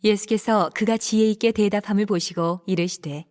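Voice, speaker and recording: A woman narrating a dramatized Bible reading with an even, clear storytelling delivery. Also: medium pitch, normal speed.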